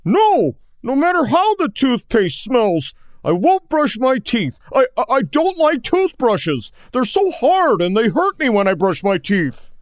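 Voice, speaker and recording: Brief: woman playing a whiny, stammering coward of a giant demon king, high and swooping, dry close sound. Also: very animated, measured pace, no room sound. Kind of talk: storybook character voice.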